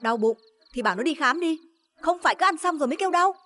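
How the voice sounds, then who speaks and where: A stern elder sister-in-law who lectures in a reproachful way. Her voice is high and her delivery fast. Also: animated, a bit bright.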